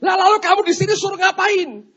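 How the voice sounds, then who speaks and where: A preacher voicing a stubborn, angry Christian man who shouts and complains indignantly. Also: very high voice, brisk, voice pushed up. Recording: dull lo-fi sermon recording.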